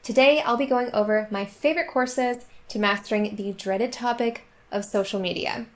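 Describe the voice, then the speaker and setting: A woman in her twenties with a slightly raspy voice, just getting over being sick, chatting upbeat to her viewers in a sponsored video about writing. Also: fairly high pitch, fairly even intonation. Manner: upbeat, chatty, quick asides. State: recovering from illness. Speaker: writing YouTuber. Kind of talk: sponsored video talk to camera.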